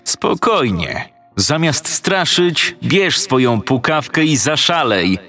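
A brash, teasing teenage boy who brushes off every worry, voiced higher than the storyteller's own voice, as a male narrator plays him. He jokes, swaggers and shrugs off danger. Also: very animated, slow, sharp tone, faint music behind, full character voice. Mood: cocky. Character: cocky joking teenage boy, group leader.

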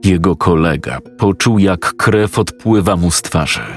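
A man narrating a scripted story in a steady, matter-of-fact way. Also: deep voice, measured pace, faint music behind.

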